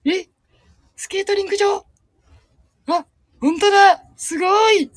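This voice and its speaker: A man's voice: very high-pitched, a little slow, no echo, pitched above the performer's own voice. A man voicing an eager, sweet young woman in an improvised amateur radio drama. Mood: delighted surprise.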